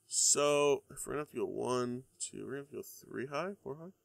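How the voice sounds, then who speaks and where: A man's voice: medium pitch, brisk, vocal fry, no room sound. A young man with a congested, stuffy voice, chatting casually while playing a building game, full of ums and uhs. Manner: rambling, many ums and uhs. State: congested from a cold. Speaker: gaming YouTuber. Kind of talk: casual let's-play commentary.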